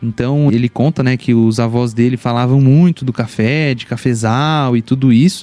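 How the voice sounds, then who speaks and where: A man with an ordinary speaking voice, medium pitch and moderate pace, recorded dry and close with no echo. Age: 20s. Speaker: coffee farmer and agronomist. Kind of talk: casual interview chat.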